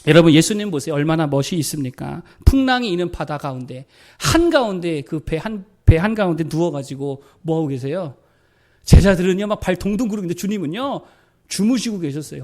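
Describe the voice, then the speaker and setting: A middle-aged man preaches a sermon in a church sanctuary. His voice sits high and leaps up and down in pitch as he fires rhetorical questions at the congregation. He delivers it all in lively, animated swings. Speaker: pastor.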